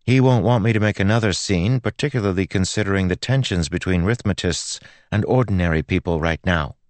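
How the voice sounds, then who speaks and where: A man voicing a stubborn, outspoken teenage girl in an audiobook, with a loud, dramatic, insistent manner. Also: sits low, brisk, no room sound, voice pushed up, natural voice. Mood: airy, pleased.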